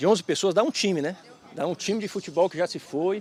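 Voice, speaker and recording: A man talks at a fairly quick pace. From Brazil, Fortaleza. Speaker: former professional footballer. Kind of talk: interview.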